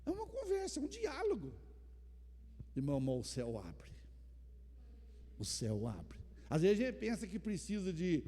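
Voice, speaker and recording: Male pastor, high mellow timbre, fervent sermon delivery easing into quiet testimony; church reverb. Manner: impassioned preaching that drops to soft storytelling. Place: church sanctuary. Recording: long reverb of a church hall.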